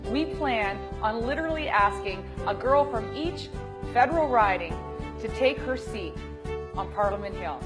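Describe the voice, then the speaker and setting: Woman politician, upbeat prepared statement, kinda high voice, music playing behind. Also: lively intonation, normal speed.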